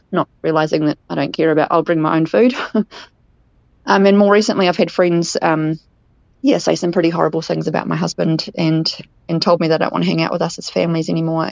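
New zealand woman, low gravelly voice, hesitant, dull lo-fi voicemail. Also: a little mellow, no echo. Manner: hesitant, searching for words. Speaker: listener leaving a voicemail. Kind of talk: voicemail message.

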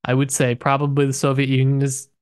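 A man's voice: medium pitch, completely flat delivery, fast talker, smooth, no echo, clean studio sound. A man co-hosting a podcast, casually discussing a book in a joking, loosely worded way. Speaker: podcast co-host.

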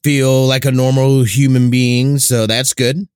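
A man's voice: medium pitch, little pitch movement, measured pace, a little mellow, clean tone, dry recording, clean studio sound. A man co-hosting a podcast in casual, informal chat. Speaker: podcast co-host.

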